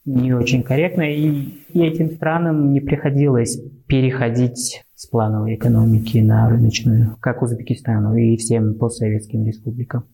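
A man from Uzbekistan with a Central Asian Russian accent, explaining things conversationally as an interview guest in a halting, thoughtful way. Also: medium pitch, little pitch movement, gravelly, warm tone, rough recording.

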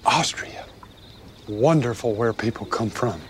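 An actor playing an earnest, awkward frontier preacher, halting and stammering as he speaks. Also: mid-range voice, a little hiss or hum, natural voice. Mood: curious. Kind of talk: TV drama acting.

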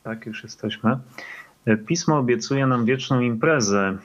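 A man from the congregation calmly sharing a thought, heard over a remote connection. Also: medium pitch, measured pace, a little hiss or hum. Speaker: church member sharing a remark. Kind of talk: remote call-in contribution. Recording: dull lo-fi remote audio.

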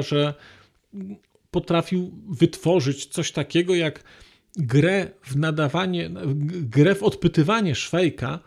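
A man's voice: sits high, darkish tone. A man reviewing a novel, talking about it with enthusiasm and with hesitant fillers, then reading passages aloud. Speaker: book reviewer. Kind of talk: book talk with reading aloud.

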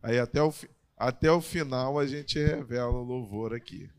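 A middle-aged Brazilian man preaching a sermon in a chatty way, his voice still recovering and a bit hoarse, growing lively when he tells stories. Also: mid-range voice, normal speed. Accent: Brazilian Portuguese. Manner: conversational, building up energy when storytelling.

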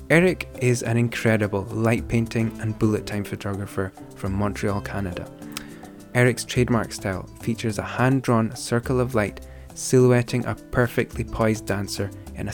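A man hosting a podcast, reading the sponsor spot and then telling a long story with many ums and restarts. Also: fairly low pitch. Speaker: podcast host. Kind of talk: podcast interview and sponsor read.

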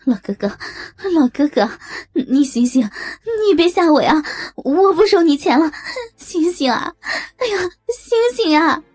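A woman's voice: sing-song, unhurried, darkish tone, soft background music. A woman doing a sobbing, stammering panicked woman. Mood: panicked crying. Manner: stammering, sobbing, high-pitched pleading. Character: panicked tearful middle-aged woman caught out.

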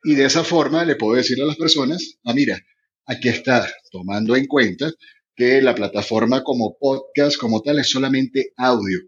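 A man's voice: medium pitch, normal speed. A Venezuelan man, a radio broadcaster and podcaster, explains his ideas eagerly and at length in an online panel. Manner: enthusiastic, long winding explanations. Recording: muffled lo-fi audio.

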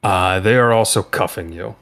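A man narrating a tabletop role-playing session as game master, unhurried and full of filler sounds. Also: low-pitched, vocal fry, a bit bright.

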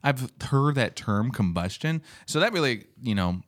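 A man's voice: mid-range voice, expressive, normal speed. A man hosting a podcast, talking casually and rambling with lots of fillers and restarts. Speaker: podcast host. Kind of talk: casual chat.

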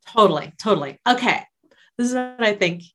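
A woman's voice: mid-range voice, animated, a little fast. A woman guest on a podcast, a singer and life coach, talking in a casual, enthusiastic and encouraging way and laughing often.

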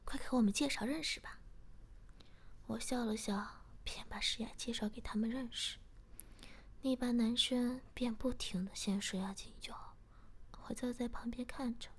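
A woman reading a story aloud in a soft, breathy whisper. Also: on the high side, fairly even intonation, normal speed. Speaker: story reader.

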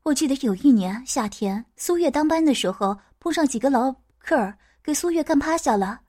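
A woman narrating a first-person audio story in a plain, steady, colloquial way. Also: high voice, brisk.

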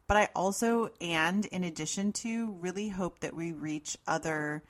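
A middle-aged woman with a deep voice, co-hosting a podcast in casual banter with dry, understated interjections. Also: a little slow. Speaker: podcast co-host.

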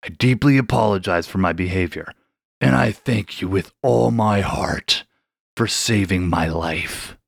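A vast, ancient king of the sharks, as a man puts him on for a storybook, with a deep growling voice. He speaks slowly and solemnly with grand formality. The sound is close and dry. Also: gravelly, no room sound, full character voice. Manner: slow, solemn, stately speech. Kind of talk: storybook character voice.

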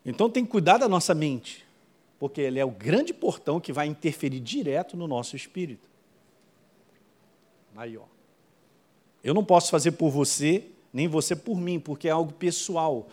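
Man, pastor, sermon, high voice, chatty asides. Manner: animated, conversational preaching with quick asides.

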